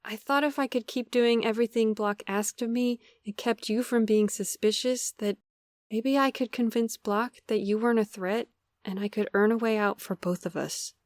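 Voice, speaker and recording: An actress as a devoted, apologetic woman in an audio drama. Her voice is high and earnest, with careful, formal wording. The sound is close and dry. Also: fairly even intonation, normal speed, no room sound, close to an everyday voice. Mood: remorseful. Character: remorseful, devoted young woman pleading for forgiveness.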